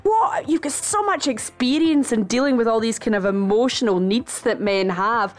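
A woman's voice: fairly high pitch, moderate pace. A Scottish woman hosting a radio interview, chatty and encouraging with her guest. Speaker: radio host.

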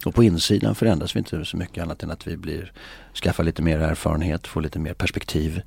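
A middle-aged man in a reflective interview, musing philosophically and often pausing with filler sounds. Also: deep voice, steady tone, creaky, darkish tone, husky, dry recording. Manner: hesitant, many filler sounds. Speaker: interview guest. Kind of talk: reflective conversation.

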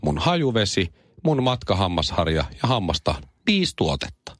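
A middle-aged man hosting a morning radio show, reading news and telling stories with animated deadpan humor. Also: sits low, dry recording, clean studio sound. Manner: animated storytelling, deadpan jokes.

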